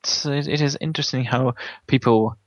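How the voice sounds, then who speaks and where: A man's voice: mid-range voice, steady tone, a little fast, dry recording, muffled recording. Hesitant man in casual chat. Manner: hesitant, many restarts, speaks quietly. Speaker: participant in a group chat.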